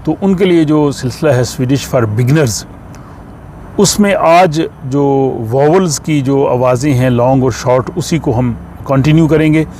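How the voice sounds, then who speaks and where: A man with an Urdu accent explains a language lesson at an unhurried pace, pausing often on fillers. His voice sits at an ordinary middle pitch. Faint car and street noise hums behind him. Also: warm tone. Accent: Urdu-speaking. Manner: slow, explaining with many fillers. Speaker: language teacher.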